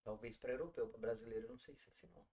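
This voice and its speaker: A man's voice: mid-range voice, very fast, dark tone. A man with a Brazilian Portuguese accent hosting a podcast, asking questions in casual conversation. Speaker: podcast host. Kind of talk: casual interview chat.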